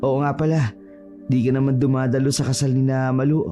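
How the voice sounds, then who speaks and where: A man's voice: mid-range voice, flat delivery, brisk, mellow, soft background music, close to an everyday voice. An actor playing a worried young village man who speaks respectfully and hesitantly.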